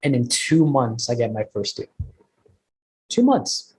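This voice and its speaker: A man's voice: mid-range voice, very animated, unhurried, a little mellow, slight background noise, rough recording. A man originally from Bangladesh, speaking as a guest to an online networking group, telling his story with energy and emphatic repetition.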